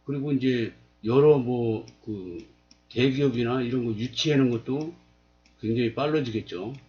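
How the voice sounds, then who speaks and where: A man's voice: medium pitch, a little slow, muffled recording. Plain-spoken man in his fifties. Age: 50s. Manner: plain, steady, asks rhetorical questions. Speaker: video blogger. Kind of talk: explaining while pointing at a map.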